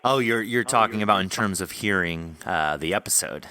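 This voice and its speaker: Man, podcast host, low but bright voice, casual rambling chat, animated delivery. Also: moderate pace, dry recording.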